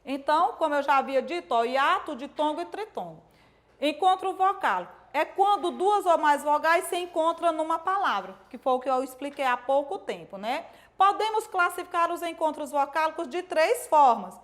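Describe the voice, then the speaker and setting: This is a woman with a rather high voice teaching a recorded lesson to young pupils. She goes over each point more than once, sounds out syllables slowly, and keeps checking that the children follow along. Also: animated. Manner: explains slowly and repeats points, asking "certo?" and "né?" often.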